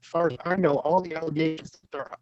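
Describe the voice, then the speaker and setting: A man's voice: on the high side, fairly even intonation, fast, highs cut off. A man arguing as a defense attorney in a formal hearing over a video call, his audio breaking up. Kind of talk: formal courtroom argument.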